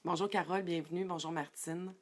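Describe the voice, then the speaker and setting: A woman's voice: on the low side, steady tone, brisk. A middle-aged woman, giving a live-streamed coaching talk in a chatty way, greeting viewers by name and using many fillers. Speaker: life coach.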